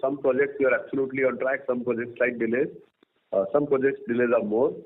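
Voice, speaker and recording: A man with an Indian accent speaking as a company executive, answering questions on an earnings call in a halting way with pauses mid-sentence. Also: mid-range voice, fairly even intonation. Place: conference call line. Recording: noisy phone line with clicks.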